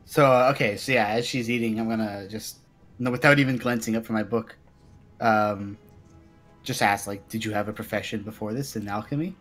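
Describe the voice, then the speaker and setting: A man's voice: on the low side, a little fast, a bit bright, soft background music. A man playing a tabletop roleplay game, chatting casually and thinking aloud in a tentative way. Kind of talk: casual improvised roleplay chat.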